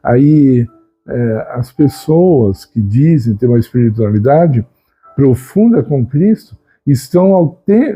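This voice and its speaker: Dark-toned husky man teaching. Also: a little high. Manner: unhurried, conversational, frequent "né?" tags. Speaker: Christian video host. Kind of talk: reflective spoken teaching.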